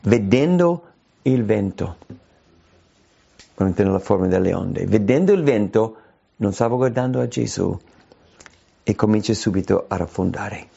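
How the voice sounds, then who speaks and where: A man preaching a sermon, his voice leaping high when he acts out quoted cries. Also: animated, measured pace, vocal fry, pauses often, mellow, husky. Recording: dull lo-fi recording.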